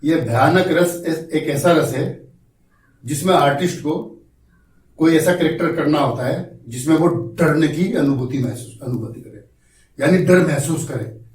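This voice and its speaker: A man teaching an acting class, explaining slowly, coaxing his students and acting out examples himself. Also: fairly high pitch, darkish tone. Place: acting class room, indoors. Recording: roomy echo from far off, faint noise.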